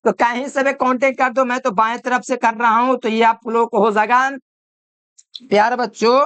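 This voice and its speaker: A man's voice: very high-pitched, level tone, moderate pace, fairly bright tone, clear, resonant tone, no room sound. A man giving a chemistry video lecture, repeating each point and quizzing the listener with call-and-answer questions. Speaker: chemistry teacher. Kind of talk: classroom-style video lecture.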